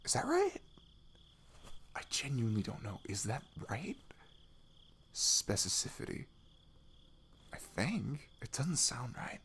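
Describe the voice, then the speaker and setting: A man playing a sweet, shyly affectionate best friend in an intimate ASMR roleplay, speaking softly and haltingly, often near a whisper. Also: mid-range voice, huge pitch swings, a little hiss or hum, heavily acted. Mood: playful, unsure. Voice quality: soft, breathy, often dropping to a whisper. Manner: hesitant, halting, chatty and tender. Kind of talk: intimate ASMR roleplay, soft improvised-sounding talk.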